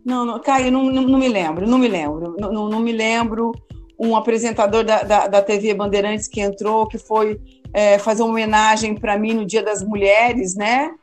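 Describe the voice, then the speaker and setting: A woman's voice: medium pitch, steady tone, a little fast, faint music behind. A woman, a teacher and former radio host, answering interview questions in a casual, hesitant way, often repeating words. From Amazonas, Brazil.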